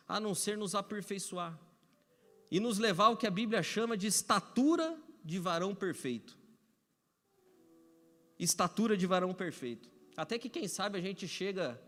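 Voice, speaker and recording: A man's voice: high voice, a bit bright. A Brazilian man preaching a Sunday sermon as pastor, conversational and repetitive with touches of humor. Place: church sanctuary. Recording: echoey hall reverb.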